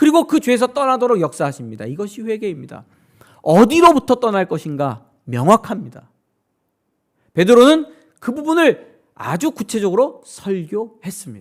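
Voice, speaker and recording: A man with a high pitch and an animated tone speaks at a moderate pace, his pitch swinging very widely, on a very clean recording with a silent background. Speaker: pastor. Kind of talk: sermon.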